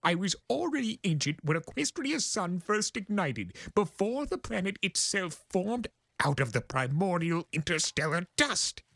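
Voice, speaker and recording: A man voicing an ancient, pompous chimera lord of chaos in a cartoon fan story, with grandiose, exasperated, drawn-out delivery. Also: sits high, big pitch swings, creaky, a bit bright, no echo, voice pushed up, full character voice. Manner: theatrical, grandiose, indignant, drawn-out emphasis. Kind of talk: dramatic cartoon fan fiction reading.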